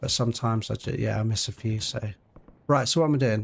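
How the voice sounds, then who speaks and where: A man with a southern English accent, somewhat breathy. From UK. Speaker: gaming streamer. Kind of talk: live game stream chat. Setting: live stream, home setup. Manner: casual, chatty.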